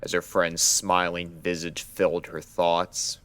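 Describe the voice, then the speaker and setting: A man's voice: deep voice, monotone, slow pace, fairly bright tone, clear, resonant tone, no echo. A man reading scripted fan fiction as the narrator of a dramatic story.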